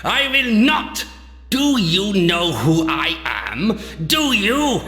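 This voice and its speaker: A smug, deranged doctor with apocalyptic delusions for a video game. His voice is high and sharp, and he talks slowly, savouring each word in pompous theatrical fashion. It rings through a reverberant hall. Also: big pitch swings, full character voice. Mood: smug, mocking. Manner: pompous, theatrical, over-enunciated. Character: smug, deranged male doctor villain with grandiose, apocalyptic menace. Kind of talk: video game villain acting. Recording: echoey reverberant hall, faint music behind.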